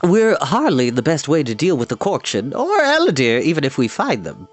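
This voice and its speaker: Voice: mid-range voice, wildly swooping pitch, normal speed, soft background music, voice pushed up. A reader doing a wry, boastful old-tale bard. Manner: wry, theatrical, self-correcting. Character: boastful rueful wandering male bard. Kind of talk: audiobook character voice.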